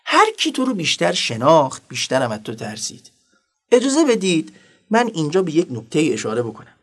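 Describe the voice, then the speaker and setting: Earnest high-voiced male preacher, lively. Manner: formal, earnest, swings between emphasis and soft asides. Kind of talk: sermon.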